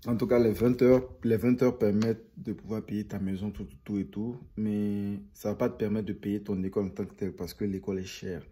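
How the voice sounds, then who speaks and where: A man's voice: on the low side, flat delivery, a little fast, hardly any pauses, dark tone, breathy edge. A young man chatting casually to viewers as a vlogger, rambling and repeating phrases for emphasis. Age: young adult.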